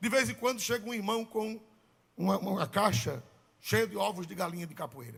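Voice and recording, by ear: A man's hoarse, high-pitched put-on character voice at a moderate pace, with very wide pitch swings and big swings in loudness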